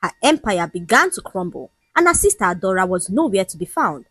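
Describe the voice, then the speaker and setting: A woman narrating a scripted story in a dramatic, expressive way. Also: medium pitch, brisk, breathy edge, no room sound, rough recording.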